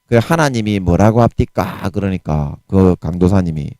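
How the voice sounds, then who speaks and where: A man's voice: deep voice, expressive, normal speed, dark tone, no echo. A man in his forties with a Gyeongsang Korean accent, preaching a sermon in a fiery, blunt way laced with harsh curses. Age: 40s.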